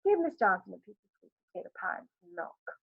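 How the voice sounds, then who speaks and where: A woman's voice: mid-range voice, big pitch swings, fast talker, vocal fry, breathy edge, no echo, full character voice. A woman voicing a tired young wife who gives short, plain replies. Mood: guarded. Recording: dry, tinny phone-like sound.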